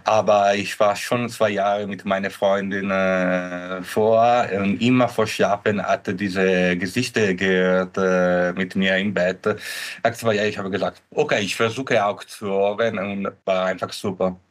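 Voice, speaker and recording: A man of about thirty speaks with a foreign accent in a low, slow, fairly flat voice. He is a non-native speaker chatting casually, halting as he searches for words. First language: not German. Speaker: podcast guest. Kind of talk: casual chat.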